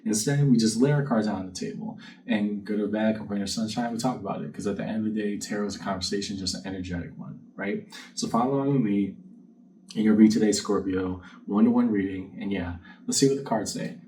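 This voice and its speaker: A low-voiced man gives a casual tarot reading in a mellow, relaxed tone. He is conversational and reflective, recorded a little away from the mic. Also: fast. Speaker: tarot card reader and channel host. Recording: distant mic with faint background noise.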